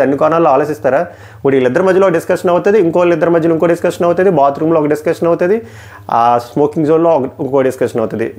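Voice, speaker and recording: A man's voice: a little high, a little mellow. A man giving opinionated live commentary on a reality show, firing rhetorical questions and mocking quotes.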